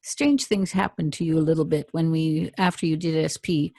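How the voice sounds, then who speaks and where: A middle-aged woman with a Canadian accent hosts a relaxed podcast chat. Her voice sits on the low side, and the recording is dry and close, with no room sound. She teases her guest and laughs easily as she talks. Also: normal speed, no echo. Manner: laughs often, teasing and chatty. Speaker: podcast host, hypnosis trainer. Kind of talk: casual conversational interview.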